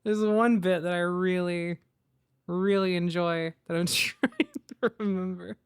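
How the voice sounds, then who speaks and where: A young woman chatting casually on a livestream, excitable, giggly and given to swearing. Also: lowish voice, measured pace, smooth. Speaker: streamer.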